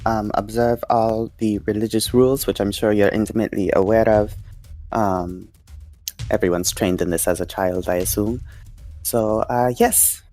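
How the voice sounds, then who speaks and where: Man playing a low-pitched, earnest religious zealot woman. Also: fairly even intonation, normal speed, a little mellow, soft background music, natural voice. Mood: bossy, instructive. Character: devout, orderly female zealot with a violent streak. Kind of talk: improvised tabletop roleplay.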